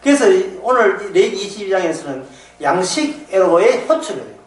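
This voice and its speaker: A male preacher with a Gyeongsang Korean accent delivers a sermon in a lively, swooping voice, asking rhetorical questions and dropping into dialect. He sounds set back from the mic in a roomy, echoing hall. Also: sits high, normal speed, recorded from a distance. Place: church hall.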